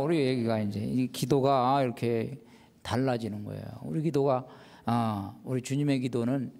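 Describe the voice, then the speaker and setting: A man's voice: medium pitch, big-room sound. A man, a Catholic priest, giving a televised lecture on prayer and acting out the quotes in it. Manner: animated, acts out quotes.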